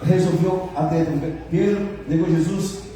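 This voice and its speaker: Unhurried and mellow, this high-pitched man keeps a fairly even intonation while preaching to his church with a Brazilian Portuguese accent. He teases the congregation and voices the characters in his stories, all captured from a distance in a very echoey hall.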